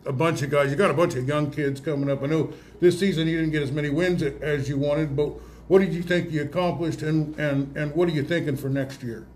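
A man's voice: on the high side, steady tone, a little mellow. An American man hosting a casual sports interview, feeling his way through questions with repeated words and hesitations. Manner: halting, repeats words while forming questions. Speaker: sports radio interview host.

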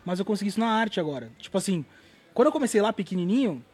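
Husky high-voiced man, rapid slangy São talk. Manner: animated, slangy, swears freely. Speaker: artist guest. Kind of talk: casual storytelling interview.

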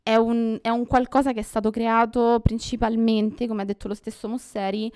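A woman co-hosting a casual podcast, weighing her points with frequent pauses and fillers. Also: on the high side, flat delivery, a little mellow, smooth. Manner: thoughtful, hesitant, many fillers. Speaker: podcast co-host. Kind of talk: casual news chat.

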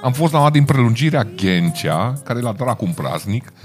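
A man chatting casually and in a relaxed way, telling a story. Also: mid-range voice, faint music behind. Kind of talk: casual chat.

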